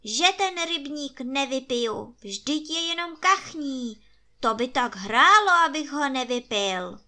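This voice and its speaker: A woman's voice: high voice, expressive, bright, forceful tone, pitched above the performer's own voice, exaggerated voice. A woman voicing a feisty, cocky rooster in a storybook tale, with a sing-song, crowing manner. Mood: boastful. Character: feisty cocky rooster demanding his coin.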